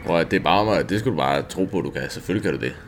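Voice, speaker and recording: A man playing a tabletop game, speaking with hesitant, gruff banter. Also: low voice, expressive, slight background noise. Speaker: player.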